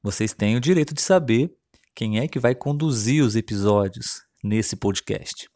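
This Brazilian podcast host, a friendly man in his thirties from Rio de Janeiro state, delivers a scripted solo monologue in clean studio sound with no room echo. His mid-range voice is a little mellow, and his clear, unhurried pace suits language learners.

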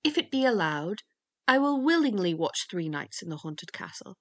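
A woman's voice: medium pitch, very animated, normal speed, a bit bright. A woman voicing a simple, stubborn, fearless young man in a fairy tale, speaking in a naive and emphatic way. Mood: earnest.

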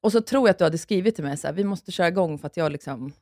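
A woman co-hosting a podcast in casual chat, relaxed and quick with agreeing murmurs. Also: on the low side, no echo, studio quality. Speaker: podcast co-host. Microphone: studio microphone.

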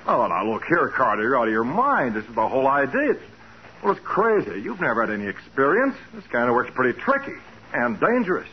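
An actor as a blustery, animated company boss. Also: male voice, mid-range voice, fairly quick, lightly acted. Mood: incredulous. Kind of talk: 1940s radio crime drama acting. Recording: dull, noisy 1940s radio recording.

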